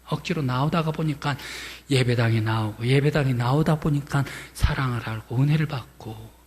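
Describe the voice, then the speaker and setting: A male pastor preaching a sermon, telling a story dramatically and moving between loud bursts and hushed whispers. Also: medium pitch, normal speed. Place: church sanctuary. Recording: reverberant church hall.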